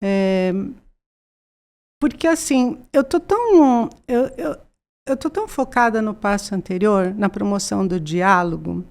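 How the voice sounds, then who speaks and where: Earnest brazilian woman explaining calmly. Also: medium pitch, measured pace. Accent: Brazilian Portuguese. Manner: earnest, explanatory, with many fillers and repeats. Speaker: psychologist guest. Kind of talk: conversational explanation.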